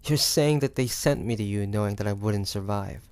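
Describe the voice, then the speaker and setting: A man voicing a wary, stubborn demon hunter from the 1850s in a dramatic audio roleplay, with halting, pointed delivery. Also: fairly low pitch, darkish tone, no room sound, close to an everyday voice. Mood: skeptical, uneasy. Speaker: voice actor.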